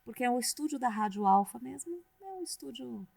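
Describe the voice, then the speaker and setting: A middle-aged Brazilian woman, a radio announcer guesting on a podcast, talking in a relaxed, rambling, chatty way with restarts. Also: fairly high pitch, fairly quick, vocal fry, no room sound. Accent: Brazilian Portuguese. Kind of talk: casual podcast interview.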